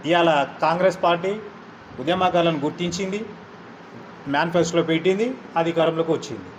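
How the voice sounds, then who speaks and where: A man's voice: fairly high pitch, fairly even intonation, quick pace, lo-fi sound, slight background noise. A man, an activist assertively arguing political points in an interview. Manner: assertive, argumentative.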